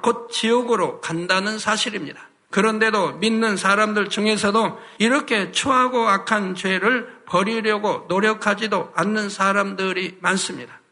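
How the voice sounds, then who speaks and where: A man's voice: high voice, sharp tone. A man preaching a sermon as a pastor, earnest and full of rhetorical questions to the congregation.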